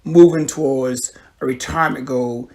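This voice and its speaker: Middle-aged dad with a gravelly voice, asking his son questions, talking easy. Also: mid-range voice, steady tone, normal speed, a little mellow. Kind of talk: casual family chat.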